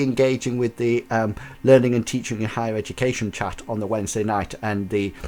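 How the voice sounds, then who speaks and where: A man with an English accent at a moderate pace. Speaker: web show host. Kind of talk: live stream monologue. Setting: live video stream. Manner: halting.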